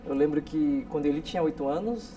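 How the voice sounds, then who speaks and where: A man in his forties from South Korea, a guest telling stories in a relaxed interview with many tag questions. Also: a little high, fairly quick, dull audio. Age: 40s. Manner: storytelling, frequent tag questions. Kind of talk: casual interview talk. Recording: distant mic with faint noise.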